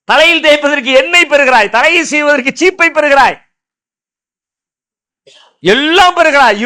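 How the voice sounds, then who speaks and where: A man preaching from a stage podium, chanting scripture verses slowly and then explaining them in everyday speech. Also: very high-pitched, bright, forceful tone. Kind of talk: Islamic sermon on a stage. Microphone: podium microphone.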